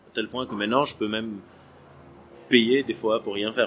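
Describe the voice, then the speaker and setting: With a fairly low pitch and fairly even intonation, a man talks at a moderate speed. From Lebanon. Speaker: neuroscientist and clinical psychologist. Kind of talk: casual interview.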